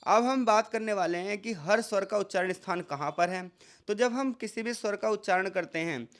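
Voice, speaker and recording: A man tutoring students for an exam in a casual, repetitive lecture style, calling them "bhai" and stretching out example sounds slowly. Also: sits high, fairly bright tone. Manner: conversational, repeats points, addresses students as bhai.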